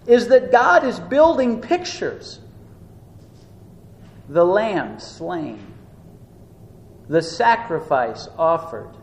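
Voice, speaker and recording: A man preaching a sermon. He teaches earnestly, rising and slowing down for emphasis. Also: high-pitched. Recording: echoey room with faint noise.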